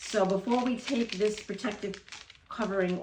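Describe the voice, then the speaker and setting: This woman talks at a fairly slow pace. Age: 60s. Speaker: music channel host, guitar reviewer. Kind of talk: product unboxing and walkthrough. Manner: casual, hesitant with fillers.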